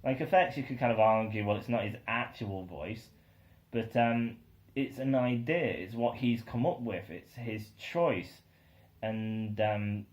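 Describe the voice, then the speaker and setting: A man's voice: lowish voice, darkish tone. A young man giving a casual, rambling album review, full of ums and uhs and plainly enthusiastic about the music.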